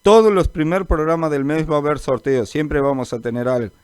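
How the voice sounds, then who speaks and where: Chatty radio preacher, dry sound. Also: male voice, fairly high pitch, brisk, a little mellow, clean tone, dry recording. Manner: chatty, greets listeners by name, calls them brother; informal, rambling, many fillers. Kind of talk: live call-in gospel radio chat.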